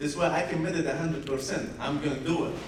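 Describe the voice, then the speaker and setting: A man speaks at a fairly high pitch. Audible room echo and noticeable background noise surround him. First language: not English. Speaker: real estate coach. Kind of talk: motivational talk.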